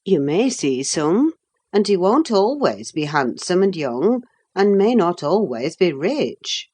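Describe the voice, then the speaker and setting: A woman reading a sensible, plain-spoken housekeeper in an audiobook, with a steady, reasoning manner. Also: lowish voice, slow, husky, heavily acted.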